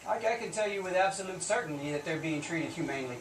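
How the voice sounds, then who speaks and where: A man's voice: on the high side, animated, quick pace. A man speaking as a Border Patrol officer in a news interview, making his case in an earnest, insistent, plain-spoken way. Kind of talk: live news interview answers. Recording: roomy echo, distant mic, faint noise.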